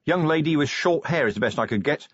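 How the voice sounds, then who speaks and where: Guy playing a jittery respectful constable giving his report, higher voice, bit husky, audiobook. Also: animated, fast talker, no room sound, muffled recording. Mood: nervous, reporting. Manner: hesitant, respectful. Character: nervous, deferential male constable. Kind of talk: audiobook character voice.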